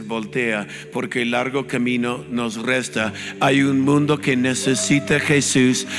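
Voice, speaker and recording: An older man preaching a sermon as pastor, emphatic and repetitive, in a large church hall. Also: medium pitch. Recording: long hall reverb with faint music.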